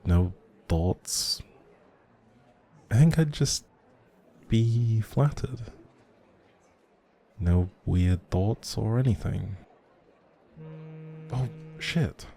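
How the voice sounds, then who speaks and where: A man playing a socially anxious, kind stranger in an intimate audio roleplay, rambling hesitantly and doubting himself in a soft, breathy voice. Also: fairly low pitch, expressive, very slow, pauses often, exaggerated voice. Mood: earnest, shy, then apologetic, grateful.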